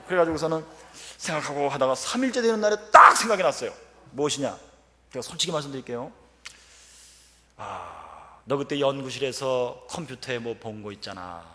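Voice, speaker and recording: A man's voice: medium pitch, slight background noise. A man in his fifties giving a humorous revival-meeting sermon and telling stories with acted quotes. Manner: animated storytelling with acted quotes. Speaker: professor speaking at a revival meeting. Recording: reverberant church hall.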